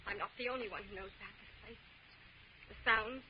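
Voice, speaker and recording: A woman's voice: mid-range voice, a little fast, lightly acted. A woman playing a curious, plucky young detective's assistant in an old radio drama. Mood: tense, defiant. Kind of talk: 1940s radio drama acting. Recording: muffled old radio recording, faint noise.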